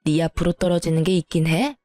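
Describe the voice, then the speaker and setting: A woman's voice: sits low, fast talker, dark tone, no room sound, soft background music, voice pushed down, natural voice. A woman voicing a greedy, scheming middle-aged mother-in-law who talks down and pries about money. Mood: prying. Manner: condescending, prying.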